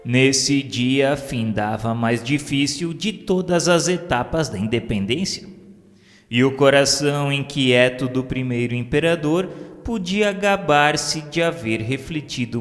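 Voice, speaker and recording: A man's voice: medium pitch, lively intonation, unhurried. Formal male radio narrator in reverb. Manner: formal, solemn, declamatory storytelling. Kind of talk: scripted narration of a religious radio drama. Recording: reverberant, with music underneath.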